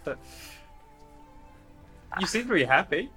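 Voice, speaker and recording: A man plays a tabletop game, hesitant and wry, stumbling over his words as he talks. His voice is bright and forceful, with faint music playing behind him. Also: sits high, very animated, takes it slowly, breathy edge. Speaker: player.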